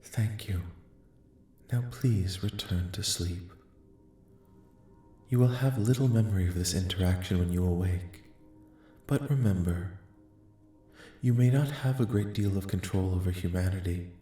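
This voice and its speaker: A man playing a calm, benevolent alien envoy in a soft-spoken ASMR roleplay, speaking formally and solemnly in a measured, soothing way. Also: sits low, soft background music. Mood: reassuring. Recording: echoing, reverberant voice track.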